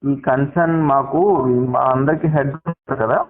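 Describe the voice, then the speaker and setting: A man's voice: mid-range voice, steady tone, normal speed. A man politely explaining official information as helpline staff on a recorded phone call.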